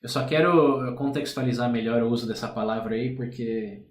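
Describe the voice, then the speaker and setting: A man's voice: medium pitch, steady tone, normal speed, echoey room. A man with a Brazilian Portuguese accent co-hosting a podcast, explaining things to listeners in casual chat. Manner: explanatory, sets up context for listeners. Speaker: podcast co-host.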